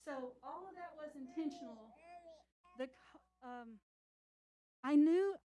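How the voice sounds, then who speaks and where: An older woman who writes children's books speaks to a library audience in a high, warm voice, earnest and encouraging, going slowly and leaning on key words. The recording is dry and of low quality.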